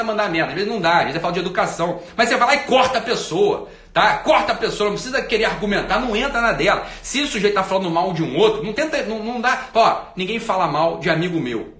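A man's voice: high-pitched, pushed and bright. A Brazilian man with a Brazilian Portuguese accent, a self-help coach ranting bluntly and profanely at comments, in an echoey room.

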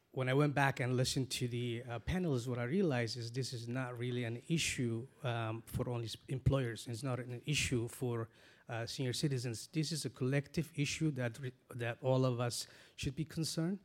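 Man, forties, earnest, halting, restarts, panel guest. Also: mid-range voice, darkish tone. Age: 40s. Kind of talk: panel discussion.

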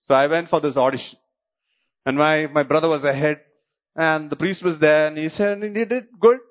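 A high-pitched man preaching a sermon, with a Malayali Indian English accent from a speaker whose first language is Malayalam. He restates his points, restarts his sentences and keeps checking in with the congregation. The recording is dull and lo-fi. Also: fairly even intonation, normal speed. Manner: checks in with the congregation through repeated short questions; repeats key phrases and restarts his sentences.

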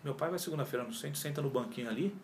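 A man's voice: fairly high pitch, racing, a little hiss or hum. A man, a yoga teacher telling his story in a casual, slangy interview. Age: 40s. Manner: animated and slangy, often says cara and pô. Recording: roomy echo.

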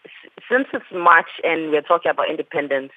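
Ghanaian woman guest, fired up and indignant, husky, tinny phone sound. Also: low voice, lively intonation, fairly quick, no room sound. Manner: impassioned, indignant. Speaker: panel guest. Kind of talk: panel discussion.

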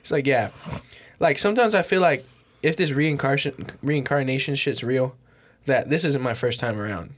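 A man's voice: medium pitch, brisk. A young man in casual podcast chat with a slangy, crude frat-bro way of talking.

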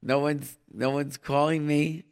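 A man's voice: on the high side, little pitch movement, a little slow, clean tone. A middle-aged man hosting a live call-in show, giving informal advice in short repeated phrases peppered with Hebrew and Yiddish expressions. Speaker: radio call-in show host and advice giver.

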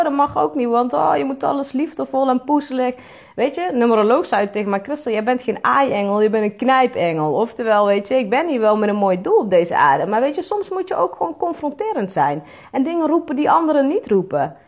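A woman's voice: a little high, darkish tone. Frank, swearing businesswoman. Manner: frank and blunt, swears freely, fills with "weet je wel". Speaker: entrepreneur and podcast host. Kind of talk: candid solo monologue.

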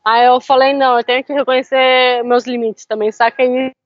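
A woman telling a story in casual chat, animated and often laughing. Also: high voice, a little fast, lo-fi sound. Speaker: interview guest.

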